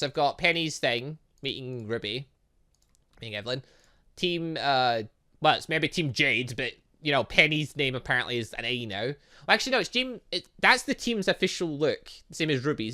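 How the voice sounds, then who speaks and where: Excitable gaming host with swooping pitch. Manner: rambling, excitable, exclaiming. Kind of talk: let's play commentary, reading game dialogue aloud.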